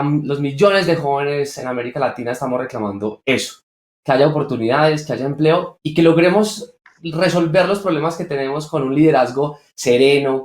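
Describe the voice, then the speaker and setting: Young man, Colombian accent, slightly high voice, interview storytelling, roomy echoing video call. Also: a little mellow. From Coffee Axis region, Colombia. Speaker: award-winning social entrepreneur, guest. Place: indoors on a remote video call.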